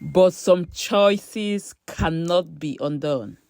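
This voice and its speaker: A woman tells a dramatic scripted story at a slow pace. She places her phrases deliberately, in short pieces. The recording is dry, with no audible room. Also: fairly low pitch, gravelly, darkish tone, dry recording.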